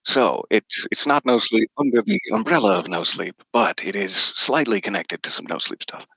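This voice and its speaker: A man's voice: on the low side, big pitch swings, normal speed, vocal fry, pushed and bright, breathy edge, no room sound, low-quality recording. A man chatting casually as a voice actor guest on a podcast, with wordy, playfully dramatic phrasing. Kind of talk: casual podcast conversation about audio drama work.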